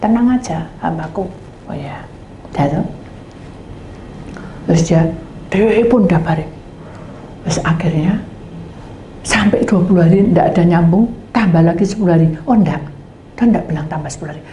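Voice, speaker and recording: In a low-ish voice at normal speed, with long pauses, a middle-aged woman pastor tells an animated sermon story. She acts out both sides of conversations and sometimes whispers, recorded in an echoey room with faint background noise.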